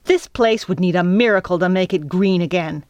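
A woman's voice: fairly low pitch, normal speed, a little mellow, dry recording, close to an everyday voice. A woman voicing a firm, practical young girl who leads the group. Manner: firm, matter-of-fact. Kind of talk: audiobook character voice.

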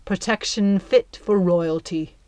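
A woman's voice: on the low side, takes it slowly, dark tone, no echo. A woman reading an audiobook, voicing a scheming young male giant who sweet-talks in a theatrical, coaxing way.

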